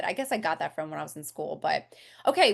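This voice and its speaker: Against a quiet background, a woman speaks in an animated tone with very wide pitch swings. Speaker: education consultant, former teacher. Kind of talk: webinar presentation. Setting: online webinar. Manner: fast.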